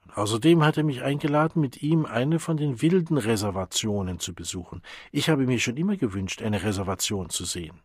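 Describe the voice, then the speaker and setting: A man's voice: medium pitch, animated, fairly quick, husky, no echo, clean studio sound. A man voicing a flippant, self-assured young woman in an audiobook reading.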